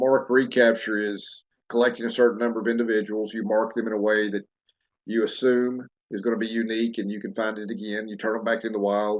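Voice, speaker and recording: The speaker has a Southern US accent and a fairly quick pace. The intonation stays monotone and flat. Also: man, medium pitch for a man. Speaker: wildlife management instructor. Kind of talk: lecture.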